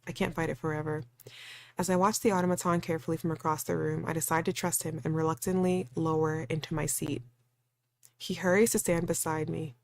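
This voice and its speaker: A wary, stubborn young visual novel protagonist, read by a woman in a slightly low voice. The narration is introspective and dry, telling the ordeal from the inside. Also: level tone, fairly quick, vocal fry.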